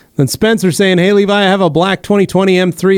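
With an American accent, a man talks in a high pitch. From Boise, Idaho, US West. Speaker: car detailing livestream host. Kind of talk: livestream Q&A talk show. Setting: studio. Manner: relaxed, chatty.

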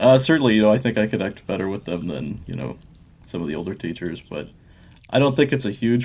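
A man's fairly low pitch with vocal fry, lively intonation and a fairly quick pace, in an American accent. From Toledo, Ohio. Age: 20s. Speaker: political candidate and law student. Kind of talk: interview. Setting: remote call. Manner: serious.

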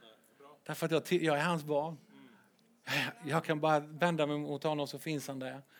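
At a moderate pace, a man with a fairly high pitch speaks in a monotone, flat intonation, with big swings in loudness. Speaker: pastor. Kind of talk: sermon. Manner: stammering repetitions.

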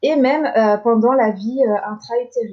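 Her voice fairly high in pitch, a woman speaks at a fairly slow pace with ordinary pitch variation in a normal speaking voice. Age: 40s. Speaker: theta healing practitioner. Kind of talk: casual interview chat.

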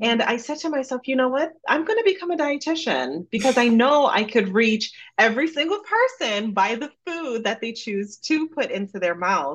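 With a slight Jamaican accent, a woman speaks at a moderate pace in a high voice with very wide pitch swings. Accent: American English with slight Jamaican. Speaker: dietitian. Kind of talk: interview.

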